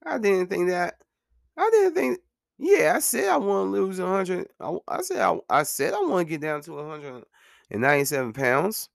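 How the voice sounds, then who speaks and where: A man's voice: high-pitched, wildly swooping pitch, moderate pace, gravelly, no room sound, studio quality. Earnest motivational man in his thirties. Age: 30s. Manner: earnest, motivational, repeats himself for emphasis; conversational, says "man" and "you know what I'm saying". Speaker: podcast host. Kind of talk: casual monologue.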